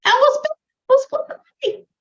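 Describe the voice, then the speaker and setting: A woman's voice: very high voice, normal speed, a bit bright, voice pushed up. A woman voicing a generous egg owner who offers a partnership, speaking in a reassuring, businesslike way. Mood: persuasive. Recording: dull lo-fi recording.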